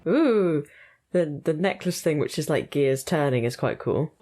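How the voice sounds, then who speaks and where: A young woman giving casual, chatty reaction commentary while watching an episode, thinking aloud in quick asides. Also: low-pitched, animated, dark tone, faint music behind. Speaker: reaction video host.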